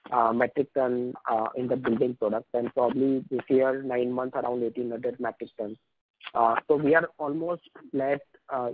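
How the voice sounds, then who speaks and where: A man's voice: mid-range voice, slight background noise. A man with an Indian accent, an analyst putting questions to management on an earnings call, polite, wordy and hesitant. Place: conference call by phone. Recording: dry, narrow tinny phone line.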